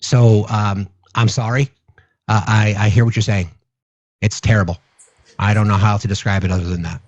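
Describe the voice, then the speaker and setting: A man's voice: lowish voice, flat delivery, normal speed, dry recording. Earnest man hosting a political livestream. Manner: earnest, talks with callers. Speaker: livestream host. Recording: dull, dry lo-fi sound.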